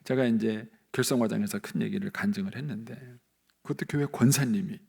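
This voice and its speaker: A male pastor preaching a sermon in a church, telling stories and acting out the people he quotes, jumping up in pitch for emphasis. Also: a little fast, vocal fry, husky. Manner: animated storytelling, acting out quoted voices, rising sharply for emphasis. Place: church sanctuary.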